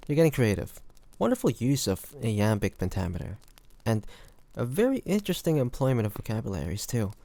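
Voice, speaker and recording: A man playing a flirty, teasing bodyguard to a noble in an intimate fantasy audio roleplay, with playful, halting delivery. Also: mid-range voice, very animated, gravelly, dark tone, dry recording. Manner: playful, teasing, halting pauses, often chuckling.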